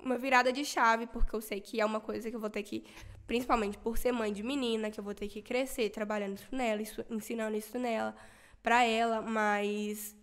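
Young brazilian woman, mineira accent, animated podcast guest, kinda high voice. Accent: Brazilian Portuguese, Minas Gerais. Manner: animated, laughs while telling a scary story. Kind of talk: casual storytelling.

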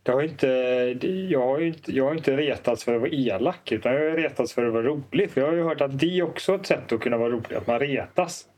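A man's voice: mid-range voice, hardly any pauses, a little mellow. A man hosting a podcast, playfully steering the talk through jokes and teasing. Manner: playful, teasing, leads the topics. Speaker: podcast host. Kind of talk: podcast chat.

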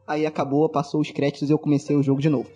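A man's voice: a little high, completely flat delivery, very fast, warm tone, lo-fi sound, soft background music. A man hosting a podcast in casual chat, hesitant, with frequent stammering restarts. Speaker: podcast host.

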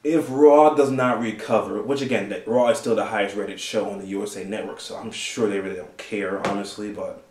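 A man's voice: on the low side, steady tone, a little fast, hardly any pauses, background noise. A man in his twenties hosting a casual solo commentary, rambling and laughing often between thoughts. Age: 20s. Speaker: host. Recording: roomy, distant from the mic.

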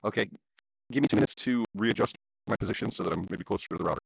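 Gravelly, fast-talking man on a crackly, distorted call line; casual podcast co-host. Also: lowish voice, no echo, lo-fi sound. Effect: crackly, distorted online voice-call connection.

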